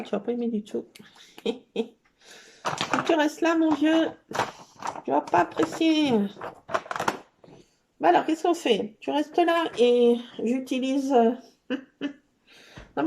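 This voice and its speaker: A woman's voice: high voice, vocal fry, dark tone, a little hiss or hum. A middle-aged woman chatting casually as she scrapbooks, teasing and cooing at her cats. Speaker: crafting vlogger. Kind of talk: casual chat while scrapbooking.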